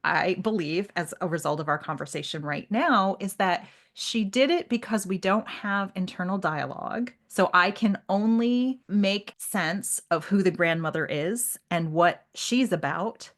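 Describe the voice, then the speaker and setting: A woman with a slightly low voice talks as a podcast co-host in a casual literary discussion. She is animated and conversational, often voicing imagined remarks as she explains her thoughts. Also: measured pace, few pauses.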